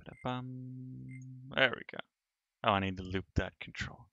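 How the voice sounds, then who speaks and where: A man's voice: deep voice, steady tone, fairly quick, pushed and bright, dry recording, lo-fi sound. A man streaming a sandbox building game, thinking aloud in casual commentary as he narrates each step of his work.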